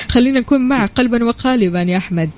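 Fast-talking Saudi woman radio host. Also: fairly high pitch. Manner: chatty, addresses listeners directly. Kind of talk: live morning radio show presenting.

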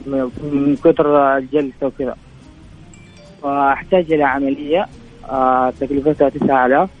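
A man calling in to a radio show, sounding distant and quiet, as if holding the phone away, and telling his story haltingly with many fillers. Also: medium pitch. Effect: distant, quiet phone line, as if the phone is held away. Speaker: caller. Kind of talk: call-in to a charity radio show. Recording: muffled phone call.

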